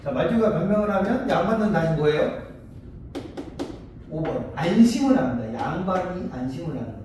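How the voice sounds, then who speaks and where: A male tutor lectures a class in a high, animated voice with a mellow tone. He keeps checking in with his students and slips into short acted-out exchanges to make a point. The recording sounds echoey and distant, as if taken from across a classroom, with faint noise behind it. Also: brisk. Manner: asks students frequent check-in questions; acts out short dialogues to explain. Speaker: Korean literature tutor. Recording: echoey room, mic far off, faint noise.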